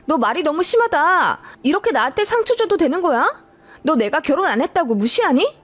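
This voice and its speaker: A woman voicing a hot-tempered unmarried sister-in-law who talks in shrill, indignant outbursts in a storytelling radio reading. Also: sing-song, fairly quick.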